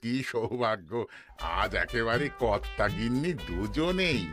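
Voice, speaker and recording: A man's voice: medium pitch, big pitch swings, unhurried, fairly bright tone, soft background music. A man voicing a fawning, anxious village jeweller in a cartoon, repeating phrases obsequiously. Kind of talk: exaggerated cartoon dialogue.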